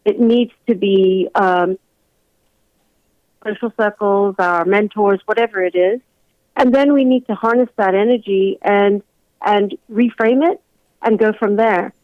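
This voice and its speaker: A woman from London with an English accent, a doctor giving measured, reflective explanations as a remote radio interview guest. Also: medium pitch, no echo. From London, England. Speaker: guest family physician. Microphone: remote call-in line. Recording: dull, lo-fi phone-in line.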